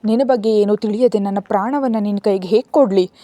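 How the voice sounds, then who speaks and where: A woman's voice: mid-range voice, brisk, mellow, no room sound, close to an everyday voice. A woman voicing a stern, wealthy young father who is guarded and commanding, speaking in curt orders. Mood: grave.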